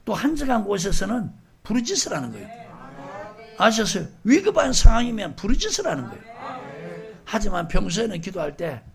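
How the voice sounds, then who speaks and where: A middle-aged male pastor with a high, heavily gravelly voice delivers a sermon. He builds to loud, forceful emphasis and keeps asking the congregation questions. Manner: preaching with rising, shouted emphasis and questions to the congregation.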